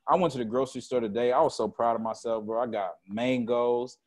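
A man's voice: medium pitch, fairly quick. A man in his thirties, a guest musician, chatting animatedly on a video call through an earbud headset from a room at home. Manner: animated, scats drum rhythms and freestyles. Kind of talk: casual video-call chat. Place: home room with jazz tapestry and string lights.

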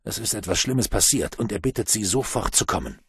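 A man's voice: lowish voice, lively intonation, a little fast, a bit bright, husky, no echo, studio quality, heavily acted. A man voicing a worried village mayor who urgently passes on a phone call.

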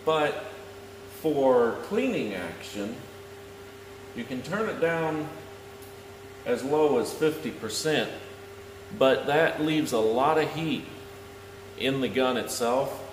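A man in his thirties explains things slowly and plainly, as a tradesman teaching on camera. His voice rings around a big, echoey shop, with clear noise behind him. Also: medium pitch, lively intonation. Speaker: welder and video host. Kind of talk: instructional talk to camera. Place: large metal-walled welding shop, indoors.

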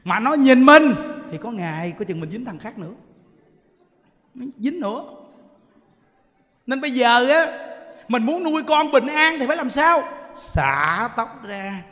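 A Southern Vietnamese monk preaches in a temple hall, his voice pitched notably high for a man. He spins lively anecdotes, fires rhetorical questions at the listeners and breaks into laughter. His words ring out with a long, lingering hall reverb. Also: normal speed, long pauses. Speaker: Buddhist monk teacher. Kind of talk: dharma talk sermon.

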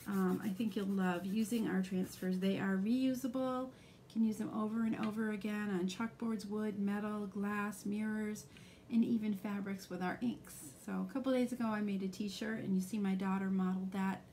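A woman's voice: mid-range voice, steady tone, normal speed, mellow, a little hiss or hum. A middle-aged woman demonstrating a craft live, explaining each step in a chatty way with frequent ums.

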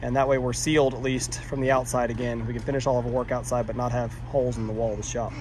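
A man's voice: mid-range voice, level tone, quick pace, a little mellow, a little hiss or hum. A man talking casually outdoors while he works, explaining each step and poking fun at his own mistakes, recorded on a handheld phone. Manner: chatty, self-deprecating, explains as he works. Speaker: vlogger doing electrical work. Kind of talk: casual how-to walkthrough. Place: outdoors by a metal shop, rainy muddy yard.

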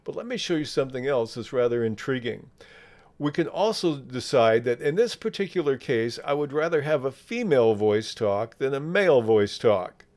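A man presenting a software tutorial step by step in a measured, explanatory manner. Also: medium pitch, animated. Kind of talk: step-by-step screen tutorial narration.

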